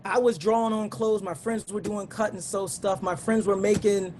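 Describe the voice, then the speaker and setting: A man's voice: sits high, fairly even intonation, normal speed, darkish tone, slight background noise. A middle-aged man on a dance panel, talking in a loose, conversational way with many restarts and asides. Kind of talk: casual panel discussion.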